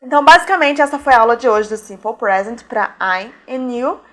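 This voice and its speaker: A Brazilian woman who speaks Portuguese natively, patiently explaining a beginner English lesson and slowing down for model sentences. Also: a little high, a bit bright. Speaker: English teacher.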